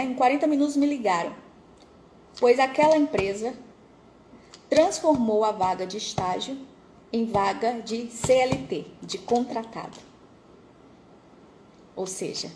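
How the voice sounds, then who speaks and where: Woman, Brazilian accent, young adult, religious storytelling, talks to listeners, slightly high, mellow. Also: a little hiss or hum, poor audio. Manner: conversational, addresses listeners directly.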